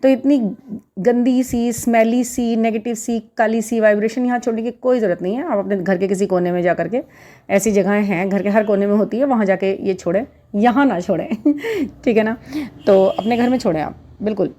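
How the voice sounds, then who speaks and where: A middle-aged woman talks warmly and unhurriedly to her followers about spiritual matters. Her voice sits at an ordinary middle pitch, and she often repeats words to press a point home. English terms come up often in her Hindi. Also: brisk. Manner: gentle, reassuring, repeats words for emphasis. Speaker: spiritual guidance channel host. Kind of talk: casual talk to viewers.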